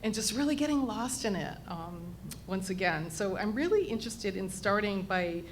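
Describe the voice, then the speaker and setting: A woman's voice: expressive, normal speed. American woman projecting a teacher's voice. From New England, US. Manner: projected teacher voice, appreciative, emphatic repetition. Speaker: anthropologist leading an on-stage conversation. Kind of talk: live public conversation, informal introduction. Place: indoor public event venue. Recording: noisy live event with rumble.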